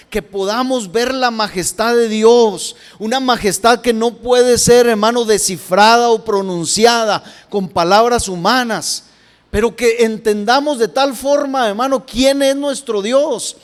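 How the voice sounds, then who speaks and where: High-voiced pastor preaching in a reverberant church. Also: male voice. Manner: addresses listeners as brother, rising and falling emphasis. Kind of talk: sermon. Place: church hall.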